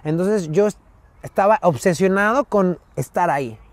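A man, a podcast guest telling stories in a lively way and mimicking English phrases. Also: high voice, moderate pace, no room sound. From Mexico. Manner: animated storyteller who mimics English phrases. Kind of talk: casual interview storytelling.

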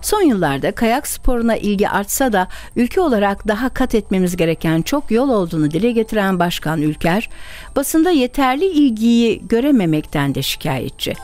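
A woman's voice: mid-range voice, sing-song, brisk, music in the background. A woman reading scripted narration for a news feature.

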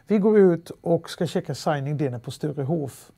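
His voice is fairly high and creaky, with a breathy edge. He is a middle-aged Swede with a Halland dialect, relating an anecdote in an interview in a lively manner, often restarting and using fillers.

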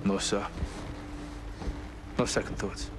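A man's voice: slow, loud music behind the voice, natural voice. A young man playing an uneasy army sergeant in a video game, questioning his orders in a tense, challenging way. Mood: troubled, questioning. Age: young adult. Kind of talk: cinematic video game acting.

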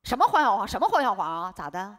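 A woman's voice: medium pitch, very animated, fast talker, background noise, lightly acted. A woman playing a brash, chatty neighbour in a sitcom sketch. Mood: jealous. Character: feisty gossiping neighbour woman. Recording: loud studio audience laughter.

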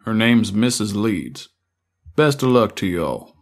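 A friendly rural rider with a folksy, easygoing way of talking, as a man plays him. He gives directions calmly and helpfully. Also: lowish voice, measured pace, exaggerated voice.

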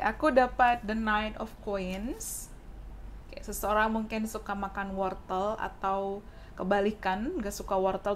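Young female tarot reader, hoarse, casual chatty delivery, little pitch movement. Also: a little hiss or hum. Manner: chatty, mixes English phrases, says "oke" often. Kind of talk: casual tarot reading to viewers. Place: indoors at a wooden table.

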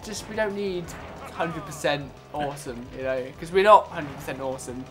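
A man's voice: on the high side, moderate pace, over music. A young man co-hosting a racing-game let's play, rambling, hesitant and chuckling as he talks. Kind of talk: casual gaming chat.

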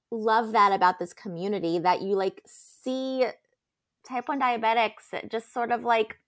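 A young woman co-hosting a podcast, talking in a chatty, reassuring way with lots of fillers. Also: on the high side. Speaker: podcast co-host. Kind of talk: casual chat.

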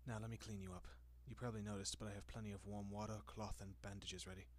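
A man playing a doting, possessive centuries-old vampire in an intimate roleplay audio, speaking in a genteel, coaxing manner with lingering pauses. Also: on the low side, little pitch movement, natural voice. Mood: doting, pleased.

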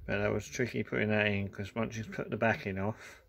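Brisk and gravelly, with a lowish, slightly bright voice and level tone, this man talks through his van conversion job while working in the garage. He's chatty and offhand, occasionally wandering off-mic, with music playing behind him.

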